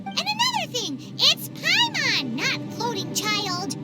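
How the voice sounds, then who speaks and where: A woman voicing a tiny, bossy floating girl companion in a game, shrill and quick to take offense. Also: wildly swooping pitch, heavily acted. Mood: indignant. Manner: shrill, indignant, quick to squawk. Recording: game audio with loud music.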